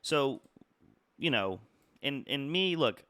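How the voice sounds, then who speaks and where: A man's voice: medium pitch, big pitch swings, slow pace, a bit bright, no room sound. A young man with a stuffy, congested nose from a cold, casually talking through stock charts with lots of fillers and restarts. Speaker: market analysis YouTuber. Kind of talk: casual trading chart talk.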